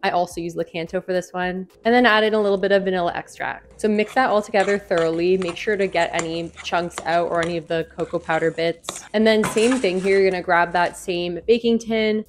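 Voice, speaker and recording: A woman's voice: fairly low pitch, fairly even intonation, a little fast, hardly any pauses, a little hiss or hum. A young adult woman talks casually as a food vlogger hosting recipe reviews, informal and sprinkling in "like" as she goes. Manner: informal, frequent "like" as filler.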